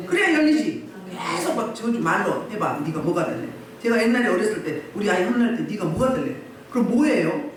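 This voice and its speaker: Woman pastor, emphatic sermon delivery, lively swooping pitch, boomy church hall sound. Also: a little fast, few pauses, a crowd in the background. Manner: emphatic, fires rhetorical questions at the congregation. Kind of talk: sermon at a healing service. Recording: very echoey hall, mic at a distance.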